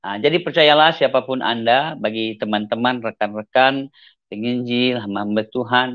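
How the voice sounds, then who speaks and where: A middle-aged man from Aceh, Indonesia, with a mixed Acehnese accent, giving an earnest personal testimony as an evangelist. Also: normal speed. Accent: Acehnese with mixed Medan, Timor and Malaysian traces. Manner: earnest, repetitive, sudden rises in pitch for emphasis. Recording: slightly dull lo-fi audio.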